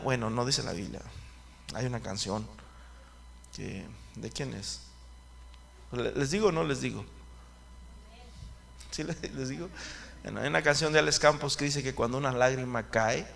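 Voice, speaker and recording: A man's voice: mid-range voice, measured pace, gravelly, long pauses, fairly bright tone, a little hiss or hum. A man preaching a fervent sermon who keeps calling out to his listeners as brothers. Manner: fervent, calls out to the congregation often.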